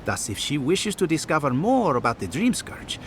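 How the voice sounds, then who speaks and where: A man's voice: fairly high pitch, big pitch swings, moderate pace, slight background noise. An actor playing a fussy, pompous male researcher with a theatrical, sardonic, condescending manner. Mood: lofty. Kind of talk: video game character dialogue.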